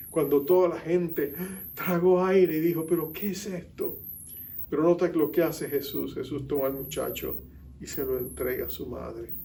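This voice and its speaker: A man preaching a sermon as pastor, with dramatic pauses and hushed quoted lines. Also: a little high, distant mic.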